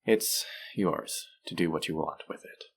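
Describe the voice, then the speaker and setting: A man playing a suave, manipulative supervillain in an intimate audio roleplay, measured and teasing, softly menacing yet tender toward his captive. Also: full character voice. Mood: scornful, earnest. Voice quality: low, creaky voice.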